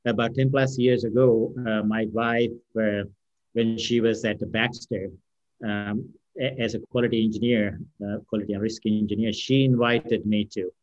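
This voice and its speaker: A man speaking English as his third language, answering interview questions as a company founder with many fillers, pauses and restarts. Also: on the low side, steady tone, darkish tone, dry recording, dull audio. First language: non-English first language. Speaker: company founder and CEO, guest. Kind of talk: unscripted podcast interview answer.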